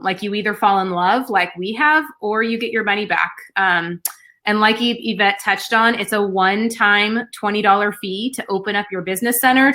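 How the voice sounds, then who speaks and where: Bright-voiced woman gushing on a live stream, repeats stuff, super encouraging. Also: mid-range voice. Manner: enthusiastic, encouraging, repeats herself. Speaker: host of a live video. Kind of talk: upbeat network marketing chat.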